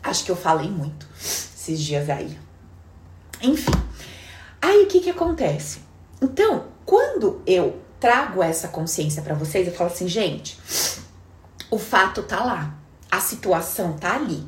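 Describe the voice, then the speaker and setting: Congested, lively woman coach. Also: fairly low pitch, a little slow, long pauses, echoey room. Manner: expressive, acts out quoted voices. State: stuffy nose and sore throat. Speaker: hypnotherapist and coach. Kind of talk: live-stream talk to followers.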